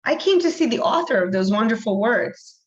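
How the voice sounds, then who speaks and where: A woman's voice: on the high side, animated, normal speed, close to an everyday voice. A woman playing a shy, earnest middle-aged visitor full of wonder in a play reading, speaking hesitantly over a video call. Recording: dull video call audio.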